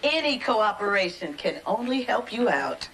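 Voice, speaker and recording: A woman's voice: medium pitch, sing-song, normal speed, a bit bright, poor audio. A woman playing a stern, no-nonsense police captain with a formal manner in a TV crime drama.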